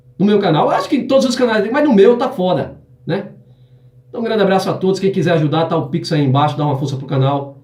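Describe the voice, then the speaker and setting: Amid noticeable background noise and audible room echo, a man talks in an animated tone at a very fast pace, his high voice making very wide pitch swings. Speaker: atheist YouTuber. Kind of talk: monologue to camera.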